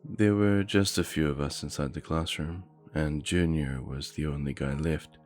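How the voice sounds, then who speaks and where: A man narrating a scripted horror story in a measured, low-key way. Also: steady tone, a little mellow, faint music behind.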